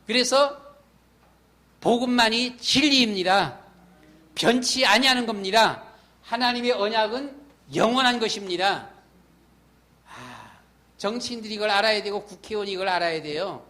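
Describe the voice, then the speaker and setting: A middle-aged male pastor delivering an emphatic sermon in a church sanctuary. He speaks in a notably high, very bright voice, asks rhetorical questions, and acts out his own past thoughts and inner voice as quotes. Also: normal speed, long pauses.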